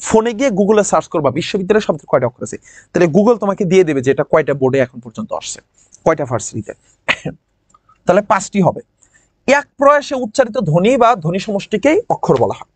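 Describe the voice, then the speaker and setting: Male teacher, high animated voice, teasing, dry close recording. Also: fast, no echo. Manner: lively, teasing, addresses students by name. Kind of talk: online class lecture.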